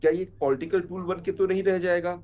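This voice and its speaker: Higher-voiced man giving formal political analysis. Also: level tone, fast talker, phone-quality sound. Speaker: panel guest commentator. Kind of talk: measured political analysis in a TV debate.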